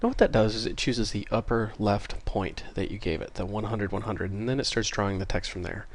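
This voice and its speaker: A man's voice: fairly low pitch, fairly quick, slight background noise. A man hosting a programming tutorial, casual and apologetic, a bit stuffy after a cold. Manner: casual, apologetic, self-correcting. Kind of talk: screen-recorded coding tutorial.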